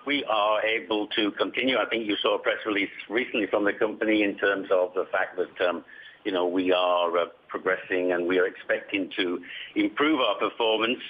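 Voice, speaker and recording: A man speaking as a company executive on a conference call, answering questions in a formal, measured, hesitant way. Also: on the low side, fairly even intonation, husky. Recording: muffled conference call line.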